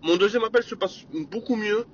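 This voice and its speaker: A man's voice: sits high, normal speed. A man with a somewhat raised voice chats energetically through his solo podcast, full of fillers and English sales buzzwords. The recording sounds dull and lo-fi, with a faint hiss underneath. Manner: energetic, chatty, many fillers, sprinkles English sales jargon. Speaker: podcast host. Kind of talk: casual solo podcast monologue.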